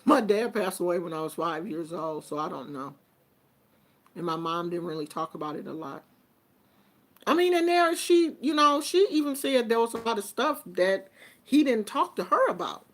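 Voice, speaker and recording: Casting: woman in her fifties, relaxed and chatty host talking straight to viewers. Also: medium pitch, normal speed. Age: 50s. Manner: chatty and informal, with colloquial phrasing. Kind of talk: casual live chat with viewers.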